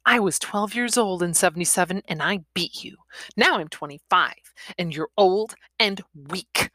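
A woman's voice: lowish voice, normal speed, sharp tone, no echo, clean studio sound. A woman voicing a foul-mouthed, confrontational young female bully in her twenties from a novel, growling and accusing. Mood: furious, menacing.

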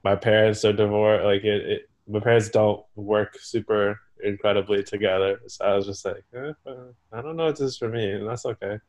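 A young man in his twenties chatting casually as a guest. He hesitates often, filling gaps with ums and letting phrases trail off. His voice sits somewhat low. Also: fairly even intonation, brisk, few pauses, darkish tone. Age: 20s. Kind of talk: casual chat.

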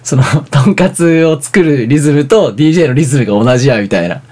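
A man, from Oita, co-hosting a casual podcast chat and telling an animated story, laughing along as he goes. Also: fairly high pitch, fast talker. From Oita, Japan. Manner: animated storyteller, laughs through his own anecdotes. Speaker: band member, podcast co-host.

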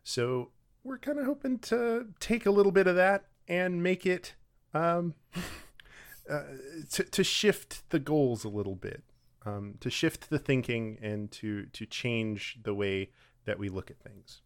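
Relaxed young man co-hosting a podcast. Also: a little high, takes it slowly, clear, resonant tone. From Texas. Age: 20s. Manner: relaxed, rambling, with fillers and light laughs. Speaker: podcast co-host. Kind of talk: casual podcast chat.

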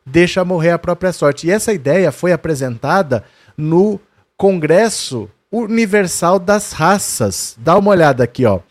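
A man's voice: a little high, animated, measured pace, no room sound. A man with a Brazilian Portuguese accent explains history conversationally and shows documents to the viewer. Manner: quotes historical figures in a raised voice. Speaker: history presenter.

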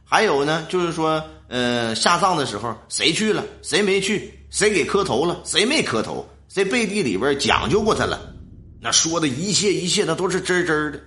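A man's voice: on the high side, sing-song, normal speed, pushed and bright. A man telling a ghost story in a colloquial, dramatic way.

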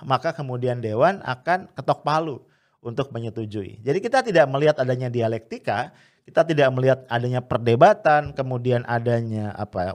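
A man delivers political commentary in a relaxed, chatty register. He leans on his points with emphasis, peppering them with tag words and brief laughs. His voice sits in an ordinary middle pitch. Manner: conversational and emphatic, with tag "ya" fillers and short laughs. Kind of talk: casual spoken commentary to viewers.

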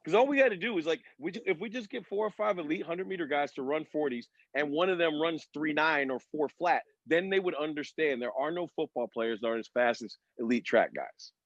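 Guy chatting sports on a panel, bit high voice, emphatic explainer, kinda lo-fi dry sound. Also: a little fast, few pauses, no echo. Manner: emphatic, explanatory, uses rhetorical check-ins. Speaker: former sprinter and decathlete on a sports talk panel. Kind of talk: casual panel chat, storytelling and arguing.

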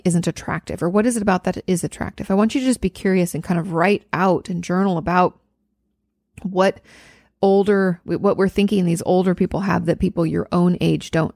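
A woman hosting a question-and-answer show, answering viewer letters in a gentle, reflective way, with many fillers and therapy terms. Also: on the low side, vocal fry, dry recording, studio quality. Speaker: host answering viewer questions on mental health. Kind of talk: casual advice chat.

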